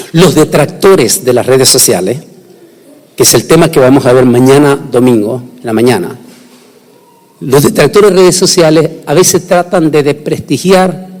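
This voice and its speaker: A man preaching a sermon, emphatic, with sudden rises in pitch and frequent restarts. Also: animated, unhurried, darkish tone. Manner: emphatic, rising and falling delivery with restarts. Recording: long hall reverb.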